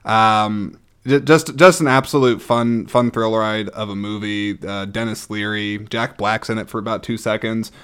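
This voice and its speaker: A man's voice: on the low side, fairly even intonation, moderate pace, fairly bright tone. A man hosting a casual solo vlog, rambling along in a chatty, enthusiastic way as he gives his opinions. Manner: enthusiastic, chatty, frequent throat-clearing. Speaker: host reviewing own movie collection.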